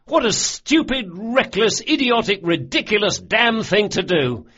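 A man's voice: high-pitched, sing-song, measured pace, bright, forceful tone, breathy edge, muffled recording, pitched above the performer's own voice, exaggerated voice. A man putting on a showy young thief boss. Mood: mock scolding. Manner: theatrical, toasting, mock-grand speechmaking. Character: charismatic young male thief gang leader.

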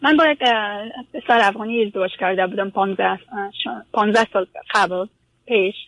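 A woman calls in to a radio advice show, her voice mid-pitched and dry. She talks haltingly, full of fillers, dropping in English words. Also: a bit bright, no echo, lo-fi sound. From Afghanistan. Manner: hesitant, many fillers, mixes in English words. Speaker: caller.

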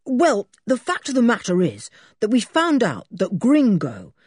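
A woman's voice: a little high, wildly swooping pitch, a little slow, a little mellow, slightly rough, dry recording, clean studio sound, voice pushed up, heavily acted. A woman voicing a sensible schoolboy who explains things in an earnest, matter-of-fact way. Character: sensible older schoolboy, the leader.

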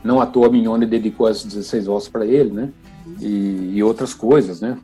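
An older man, a chamber musician, telling stories in an interview, animated, often adding "né?" at the ends of phrases. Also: lowish voice, normal speed, slightly rough, faint music behind. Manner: animated, frequent "né?" tags. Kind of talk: storytelling interview.

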